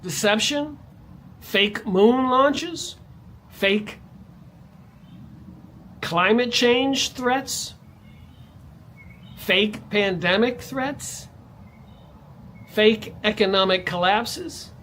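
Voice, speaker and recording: A man's voice: high-pitched, drawn-out words, pauses often, bright, forceful tone, slight background noise. A man vlogging in a ranting monologue, his voice jumping up sharply on stressed words. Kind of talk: monologue to camera.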